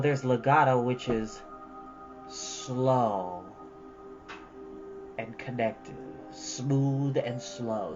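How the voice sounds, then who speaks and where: A man's voice: medium pitch, lo-fi sound. A man hosting a storytime channel, speaking casually in an earnest, reflective and encouraging way. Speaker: host of a storytime reading channel. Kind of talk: casual chat and expressive book reading.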